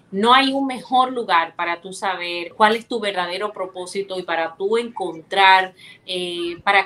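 Fairly slow speech from a woman, medium in pitch, ordinary in pitch variation, over noticeable background noise. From Dominican Republic, Santiago. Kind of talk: interview.

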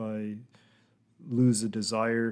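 A man speaks with a Canadian accent in a monotone, flat intonation. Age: 50s. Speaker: podcast host, amateur golfer. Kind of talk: solo podcast monologue. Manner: casual, with frequent hesitations.

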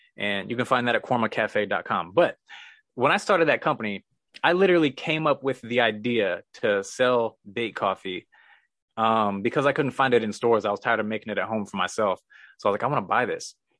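An ordinary speaking voice with an American accent moves at a fairly quick pace. The pitch varies in an ordinary way. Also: man. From Missouri. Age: 30s. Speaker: comedian and cartoonist. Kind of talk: casual interview chat.

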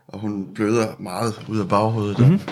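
Fairly even in intonation, a man speaks at a fairly slow pace amid noticeable background noise. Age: 30s. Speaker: bereaved parent. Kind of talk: testimony.

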